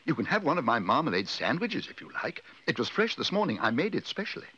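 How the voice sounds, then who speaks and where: A man's voice: medium pitch, sing-song, fast talker, bright, forceful tone, husky, muffled recording, voice pushed up, heavily acted. A man voicing a polite, earnest, hopeful young bear in a children's storybook reading. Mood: polite, puzzled. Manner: courteous, eager, literal-minded.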